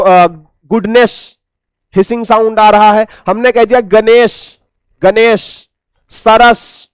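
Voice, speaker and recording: A man with an Indian accent runs an exam-prep English lesson with a fairly high voice. He keeps asking rhetorical questions and repeating the answers. The sound is close and dry, with no room echo. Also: smooth. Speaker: English teacher.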